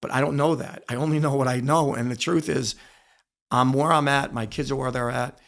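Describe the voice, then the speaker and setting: Interviewed as a podcast guest, an American author and ex-wrestler in middle age tells reflective personal stories, a little fast. His voice is medium-pitched and fairly bright with vocal fry and fairly even intonation; he repeats phrases to drive points home, earnest and emphatic.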